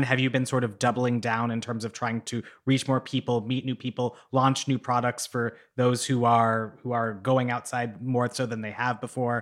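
In a very clean recording with a silent background, a man with an unremarkable speaking voice and medium pitch talks at a moderate pace, hardly pausing. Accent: American. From Massachusetts. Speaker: podcast host, trade editor. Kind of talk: podcast interview.

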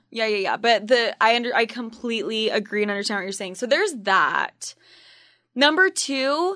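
Against a quiet background, a woman talks in a bright, sharp, animated tone. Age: 20s. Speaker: podcast host. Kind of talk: casual chat.

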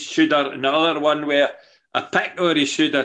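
A man with a Scottish accent at a moderate pace. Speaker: former assistant football coach. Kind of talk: casual chat.

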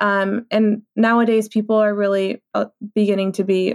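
A woman with an American accent at a moderate pace, in a dry, close recording with no echo. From San Diego, California. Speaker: food blogger. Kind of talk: podcast interview.

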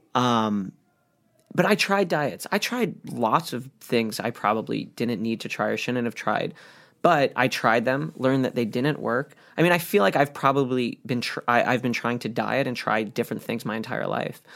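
On a very clean recording with a silent background, a man of medium pitch with vocal fry talks at a moderate pace in an American accent. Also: lively intonation. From US Northeast (New Jersey). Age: 30s. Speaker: artist and filmmaker. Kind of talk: casual chat.

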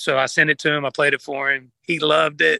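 In a Southern US accent, a man with a fairly high pitch and a bright, sharp tone talks at a moderate pace, the sound dry and close with no echo. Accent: Southern US (Georgia). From US South, Georgia. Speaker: country singer. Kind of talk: casual interview.

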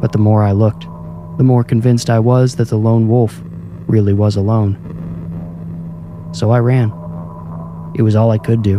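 A man speaks at a fairly slow pace, leaving long, frequent pauses. His loudness stays very even over noticeable background noise. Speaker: horror fiction writer and narrator. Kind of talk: horror story narration, first-person bedtime ghost-story telling.

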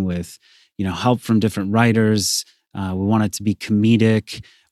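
Recorded very cleanly against a silent background, a man's voice comes across dry and close with no echo, his intonation monotone and flat. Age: 30s. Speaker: physician and podcast network founder. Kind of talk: casual interview.

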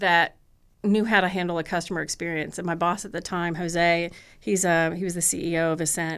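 With an American accent, a woman talks at a fairly quick pace in a fairly low pitch and a plain, everyday voice. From Georgia, US South. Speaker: sales executive in media. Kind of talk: interview. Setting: studio.

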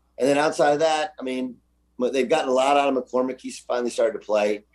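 A man's fairly high voice at a fairly quick pace. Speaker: college basketball analyst. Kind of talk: casual sports analysis.

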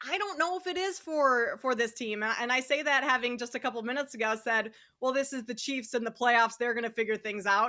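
In an American accent, a woman speaks at a high pitch with a bright, sharp tone. Her pace is fairly quick, with hardly any pauses and ordinary pitch variation. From Minnesota. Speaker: sports betting analyst. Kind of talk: casual sports talk.

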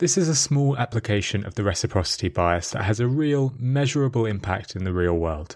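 A fairly quick pace with very wide pitch swings and hardly any pauses. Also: man, medium pitch for a man. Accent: English. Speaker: podcast host. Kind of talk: scripted narration.

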